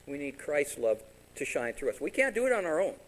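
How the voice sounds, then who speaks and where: Animated preaching pastor, higher male voice. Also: brisk, low-quality recording. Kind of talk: sermon.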